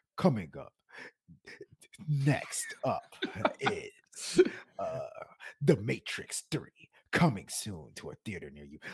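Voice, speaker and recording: Using a put-on character voice, a man speaks very slowly with long, frequent pauses and big swings in loudness. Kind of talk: announcer, promo.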